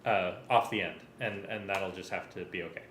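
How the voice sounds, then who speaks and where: A man's voice: low voice, steady tone, fairly quick, fairly bright tone, a little hiss or hum. A man talking casually as he directs a music rehearsal, thinking aloud in a hesitant, working way. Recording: roomy sound with music playing.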